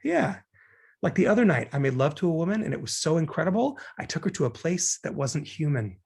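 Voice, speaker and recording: A man's voice: fairly high pitch, very animated, a little fast, vocal fry, darkish tone, husky, heavily acted. A man playing a neurotic, wisecracking, talkative single man who gets defensive in a table read of a film comedy. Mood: earnest, defensive. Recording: remote video-call table read.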